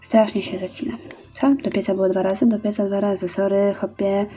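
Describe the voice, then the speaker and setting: A woman's voice: medium pitch, flat delivery, brisk, mellow, breathy edge, faint music behind. A woman giving casual let's-play commentary, chatty, reading orders aloud and counting out her steps. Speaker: gaming YouTuber.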